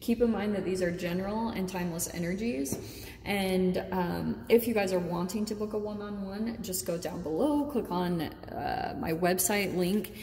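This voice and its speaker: Audible room echo accompanies a woman speaking at a moderate pace with ordinary pitch variation. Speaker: tarot reader. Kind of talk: casual tarot reading chat.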